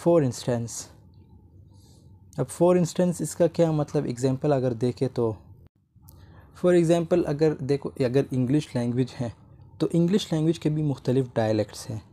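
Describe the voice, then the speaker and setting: A man with a very dark, mellow voice gives a recorded lesson over slides. He reads the English text slowly, word by word, then switches to a quicker, looser explanation. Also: medium pitch. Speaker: teacher. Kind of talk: explaining from slides, reading lines aloud.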